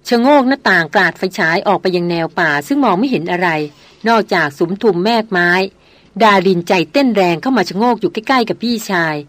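Lady reading a novel aloud, steady clear voice, middle pitch, close dry sound. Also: a little fast, no echo. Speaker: audiobook narrator.

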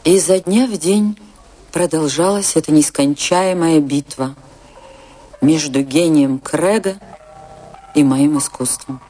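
A woman's voice: deep voice, slow, long pauses, slight background noise. An actress playing a passionate woman dancer recounting a stormy love affair in a confessional, theatrical radio play manner. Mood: sorrowful, resigned. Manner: theatrical, confessional, emotionally expressive. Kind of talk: dramatic radio play monologue and dialogue.

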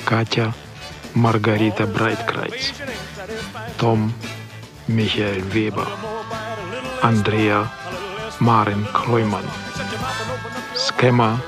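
A male announcer with a low voice reads formal radio play credits. He goes very slowly, over clear music. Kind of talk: scripted radio drama reading and credits. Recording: music behind the voice.

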